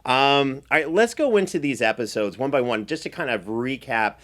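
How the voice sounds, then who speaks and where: A man's voice: mid-range voice, lively intonation, moderate pace, fairly bright tone. A man hosting a conversational interview. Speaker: host and series producer.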